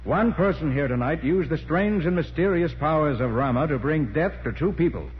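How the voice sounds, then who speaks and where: An actor playing a commanding master detective, deliberate and authoritative, in a 1940s radio drama. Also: male voice, a little high, animated, breathy edge. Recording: muffled, hissy 1940s radio recording.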